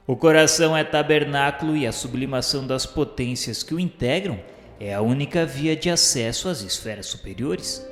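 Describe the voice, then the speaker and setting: In a long, echoing reverb, a man plays a reverent spirit narrator of a radio drama. He has a mid-pitched voice and declaims literary prose in an earnest, solemn way. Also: close to an everyday voice. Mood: earnest, preaching. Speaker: narrator character. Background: music.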